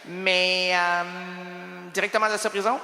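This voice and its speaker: A man's voice: high-pitched, level tone, slow pace, bright, forceful tone, a little hiss or hum. A man with a Québécois accent doing an improvised absurd comedy sketch, rambling and stammering in a theatrical way. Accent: Québécois French.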